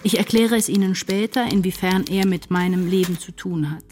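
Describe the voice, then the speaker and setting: A woman's voice: on the low side, normal speed, a little mellow, soft background music, lightly acted. An actress playing an anguished woman writer, narrating her inner turmoil intensely and introspectively in a literary radio play. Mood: desperate, confessional.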